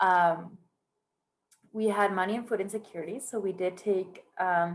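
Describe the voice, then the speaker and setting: With a Spanish accent, a woman speaks at a medium pitch over a quiet background. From Mammoth Lakes, California, US. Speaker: teaching artist and behavioral health worker. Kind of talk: workshop talk. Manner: halting, many fillers.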